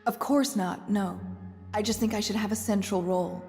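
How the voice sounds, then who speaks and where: An actress playing an earnest, caring governess who speaks carefully. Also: female voice, mid-range voice, steady tone, normal speed, a little mellow, long reverb tail, close to an everyday voice.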